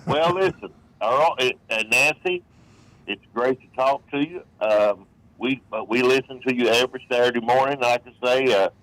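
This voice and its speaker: Southern man calling in, halting speech. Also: medium pitch, a bit bright, poor audio. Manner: halting, many restarts. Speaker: caller. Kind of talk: phone-in chat.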